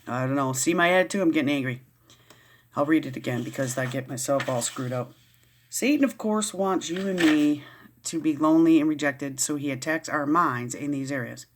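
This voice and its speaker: Woman vlogger, casual read-aloud with riled, rambling asides. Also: a bass voice. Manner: rambling, easily riled, many restarts. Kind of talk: casual reading and commentary.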